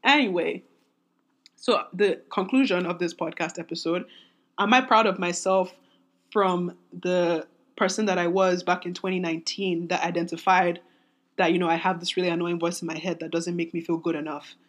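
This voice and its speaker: A woman in her twenties hosting a solo podcast, talking in a candid, rambling way with many restarts, her voice raspy and strained from singing. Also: fairly low pitch, fairly even intonation, moderate pace. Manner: rambling, self-interrupting, candid. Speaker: podcast host.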